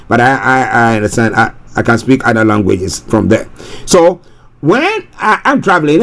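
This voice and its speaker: A man from Ghana, giving talk radio commentary in a rambling way, restarting and repeating himself. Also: mid-range voice. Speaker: radio presenter.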